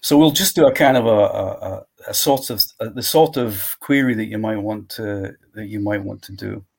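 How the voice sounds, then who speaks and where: A man walking through his software tool in a live screen-share demo, thinking aloud step by step. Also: lowish voice, normal speed, creaky, slightly rough. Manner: walks through steps aloud, thinking as he goes.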